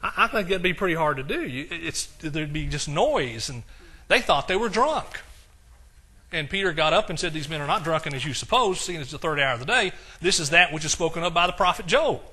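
Forceful older preacher with a bright voice. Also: male voice, on the high side, animated, brisk, slightly rough. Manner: emphatic, reads scripture aloud with rising force. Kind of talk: sermon.

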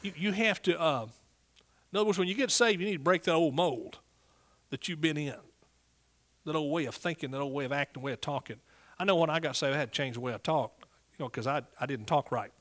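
A man's voice: fairly high pitch, a little fast, a bit bright. A middle-aged man with an East Texas accent preaching a sermon in a folksy, emphatic way, prompting listeners as he goes.

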